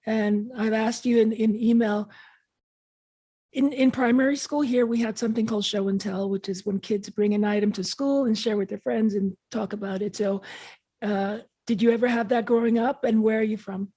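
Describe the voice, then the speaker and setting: Bright-voiced New woman interviewer. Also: a little high, fairly even intonation, normal speed, breathy edge. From New York, raised in Puerto Rico. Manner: friendly, leading questions. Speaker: interviewer, host. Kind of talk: casual interview.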